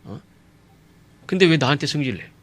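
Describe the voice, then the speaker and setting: Indignant young prince, as a preacher acts him out. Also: male voice, a little high, expressive, brisk, fairly bright tone. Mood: indignant, aggrieved. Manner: aggrieved rhetorical complaining. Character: indignant young prince, loyal friend feeling wronged.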